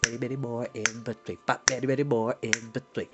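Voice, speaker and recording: A man hosting a storytime show, chatting to his audience in a theatrical, animated, exuberant manner. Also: mid-range voice, brisk. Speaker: storytime host reading books aloud. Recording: music behind the voice. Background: background ambience music.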